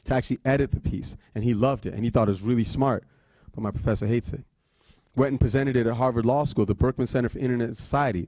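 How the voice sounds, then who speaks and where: Animated man telling a story. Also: medium pitch, dry recording, clean studio sound. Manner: animated, swings between loud and hushed. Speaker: guest speaker. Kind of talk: storytelling talk.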